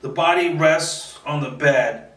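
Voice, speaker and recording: A man with a slightly high, fairly bright voice talks slowly, reading a screenplay aloud and chatting casually in a rambling way that often repeats itself. He's a solo script reader and host, recorded on a distant mic in a roomy, clearly noisy space.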